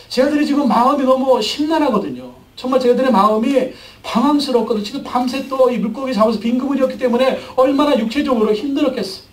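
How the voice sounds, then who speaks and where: High-voiced male pastor in a roomy church. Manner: lively, acts out Jesus scolding Peter with humor. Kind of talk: sermon. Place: church sanctuary. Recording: roomy church hall, mic at a distance.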